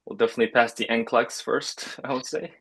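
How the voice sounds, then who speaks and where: A man's voice: medium pitch, fairly even intonation, brisk, fairly bright tone, husky. Hesitant young man, student guest. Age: young adult. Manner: hesitant, many fillers. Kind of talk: video call interview. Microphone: video call webcam.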